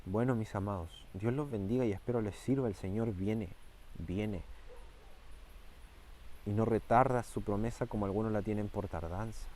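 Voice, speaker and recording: Fervent low-voiced preacher man. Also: mellow, a little hiss or hum. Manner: fervent, repeats phrases, slows and rises for emphasis. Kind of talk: sermon.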